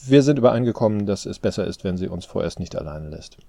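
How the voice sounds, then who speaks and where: A weary grown son in a storybook, strained and terse, voiced by a man with a deep, gravelly, mellow tone. The sound is dry and close. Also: animated, fast, dry recording, heavily acted. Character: weary adult son, tired and guarded.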